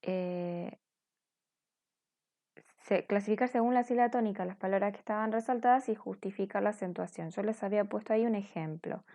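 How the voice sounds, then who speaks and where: A woman's voice: medium pitch, brisk, mellow, dry recording. A woman teacher going over corrected grammar exercises in a patient, explanatory way, often checking in with her students. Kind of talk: recorded class correction lesson.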